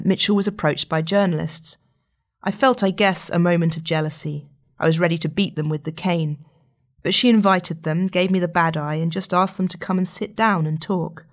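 A woman reading a long-form magazine article aloud as a scripted narration, in the role of the journalist. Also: fairly low pitch.

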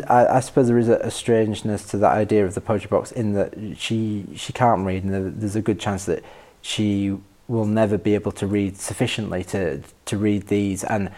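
A man speaking as a podcast guest in reflective personal conversation, thoughtful and halting as he searches for words. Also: lowish voice, darkish tone. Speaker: podcast guest discussing a favourite poem.

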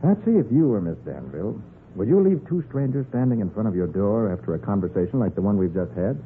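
Fast-talking, commanding radio detective. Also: male voice, fairly low pitch, big pitch swings. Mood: confident. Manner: clipped, authoritative. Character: brisk, confident male private detective, commanding and shrewd. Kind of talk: 1940s radio crime drama acting. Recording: muffled, noisy 1940s radio recording.

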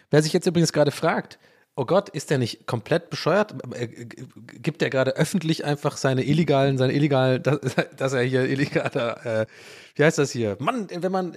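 Mid-range and a little mellow, the voice belongs to an Irish podcast host from Dublin, a native English-speaking man in his thirties. He chats casually and self-deprecatingly, wandering off topic with plenty of fillers, false starts and cheeky swearing.

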